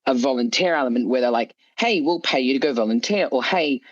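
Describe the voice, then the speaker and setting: A man's voice: medium pitch, lively intonation, brisk. Man explaining things, dull lo-fi audio. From United Kingdom. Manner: explanatory, frequent "like" and "you know". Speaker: guest author interviewed about his story. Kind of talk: conversational interview answers.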